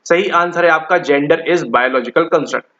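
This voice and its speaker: Man lecturing, higher voice, dull sound. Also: takes it slowly, a bit bright. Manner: explanatory, repeats "ठीक है?" to check understanding. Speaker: teacher. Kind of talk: exam-prep lecture.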